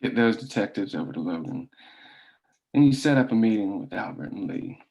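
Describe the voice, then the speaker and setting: Man acting a low-voiced, scheming boss. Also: expressive, brisk, vocal fry, a little mellow, lo-fi sound. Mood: commanding. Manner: commanding, clipped, scheming. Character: cold, calculating boss of company strongmen. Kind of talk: dramatic script table read.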